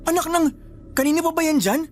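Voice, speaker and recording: A man's voice: very high-pitched, fast talker. A man playing a reluctant young nephew who questions his uncle in a radio drama. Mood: alarmed. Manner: reproachful, jumpy. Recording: music underneath.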